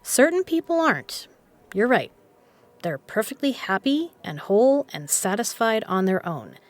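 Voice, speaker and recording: A woman's voice: a little high, very animated, a little slow. A woman acting in an audio drama as a confident, teasing poker player who is frank and caring. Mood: caring, insistent.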